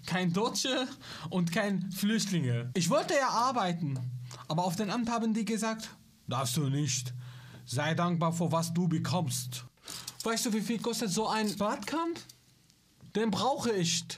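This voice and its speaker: A man playing a weary young male refugee in a comedy sketch, with dry, slow deadpan delivery. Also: sits high, voice pushed up.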